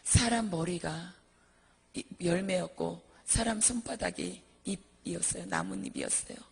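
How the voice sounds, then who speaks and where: A woman's voice: fairly low pitch, big pitch swings, unhurried, gravelly, slightly rough, long reverb tail. A woman giving a religious testimony, telling her vision in a vivid, emotional way. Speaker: church testimony speaker.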